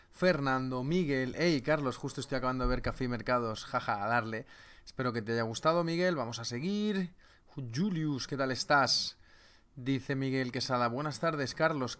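A man's voice: mid-range voice, fairly bright tone. A man hosting a live trading webinar, reading viewer names and joking with the chat. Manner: joking, banters with chat, reads names aloud. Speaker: trading seminar host.

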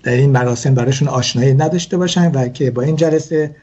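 A man's voice: medium pitch, dark tone, husky, muffled recording. A man explaining religious wedding customs in a talk show, hesitant, with many fillers and restarts. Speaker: guest speaker on Jewish customs.

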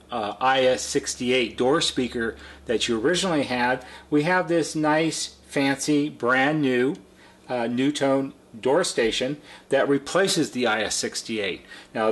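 A middle-aged man with a medium-pitched voice walks through a hands-on demonstration. He talks like a repair technician, in plain, unscripted language, explaining things one step at a time. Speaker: repair technician presenting a how-to video. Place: indoor workshop at a workbench.

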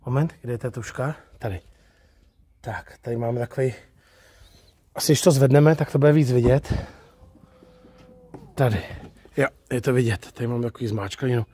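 A mid-range, mellow, husky male voice, pausing often, belongs to the host of a car review channel. He chats casually, sprinkling "jo" at the ends of sentences, first outdoors on a used car lot during a walkaround and then inside the car on a test drive.

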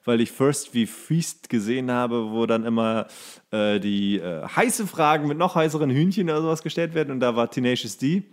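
A man's voice: mid-range voice, moderate pace. A man co-hosting a podcast in a casual, conversational style. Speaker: podcast co-host. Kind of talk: casual chat.

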